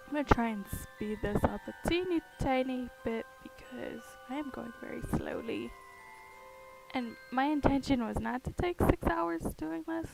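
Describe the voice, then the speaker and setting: Groggy, gravelly woman streamer. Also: sits high, poor audio. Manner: giggly, rambling, humming to herself. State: groggy morning voice. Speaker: streamer carving pumpkins. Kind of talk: casual live-stream chat while crafting. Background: music playing in the background.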